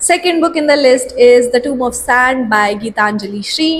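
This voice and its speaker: A woman speaks in a high pitch with an Indian accent. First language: Hindi. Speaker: book reviewer. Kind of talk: book recommendation video.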